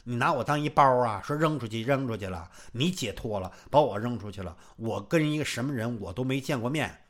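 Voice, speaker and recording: A man voicing a cheeky, stubborn young female apprentice in traditional Chinese storytelling, complaining in a quieter, lower voice. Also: lightly acted.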